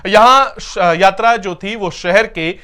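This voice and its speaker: A man's voice: sits high, slow pace, bright, forceful tone, smooth. A man reading scripted television news as an anchor, in a formal announcer delivery with emphatic stresses.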